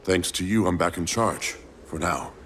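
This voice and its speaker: An actor playing a weary old sorcerer in a game, speaking in a grave, earnest warning tone. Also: male voice, deep voice, moderate pace, background noise, close to an everyday voice. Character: weary old sorcerer freed from his helm, man. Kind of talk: video game cutscene acting. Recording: voice over loud game music.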